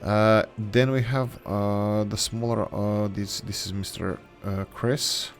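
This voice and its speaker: A man with a fairly low voice gives a relaxed, rambling commentary while building a city in a strategy game. English is not his first language, and he often corrects himself mid-sentence. Faint background music plays under his talk. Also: slow pace, vocal fry. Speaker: gaming channel host. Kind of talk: casual let's-play commentary.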